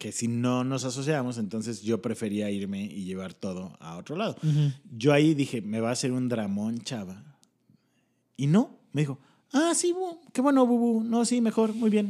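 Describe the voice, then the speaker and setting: The speaker talks at a moderate pace in a central Mexican accent. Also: man. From Mexico, Querétaro. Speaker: comedian and comedy club owner. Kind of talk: casual chat. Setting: in person studio.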